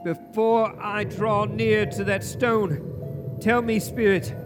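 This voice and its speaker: A desperate old miser in a stage radio play. The voice is very high and slow, declaiming every plea with deliberate weight, with music clearly behind it. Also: male voice, level tone. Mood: dread. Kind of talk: theatrical radio play acting. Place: theatre stage, live before an audience. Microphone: shared stage microphone.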